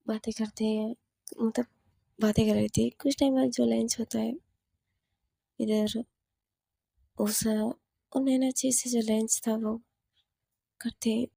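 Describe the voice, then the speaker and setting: A woman's voice: on the high side, steady tone, slow pace, creaky, pauses often, warm tone, dry recording, clean studio sound. A woman narrating a serialized love story in a casual, rambling way, with many fillers.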